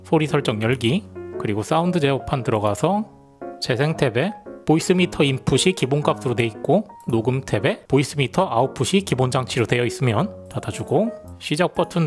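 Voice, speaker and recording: A man calmly explaining software setup step by step in a screen-recorded tech tutorial, speaking into a gaming headset mic. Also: mid-range voice. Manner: calm step-by-step instructions. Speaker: tech reviewer.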